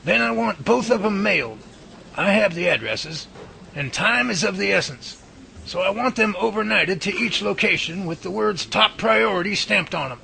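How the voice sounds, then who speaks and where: A man's voice: high voice, animated, normal speed, gravelly, sharp tone, slight background noise, exaggerated voice. A man playing a folksy, confident research professor in a radio drama, explaining things and taking charge. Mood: brisk, commanding. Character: folksy, confident professor leading Bigfoot research, good-humored.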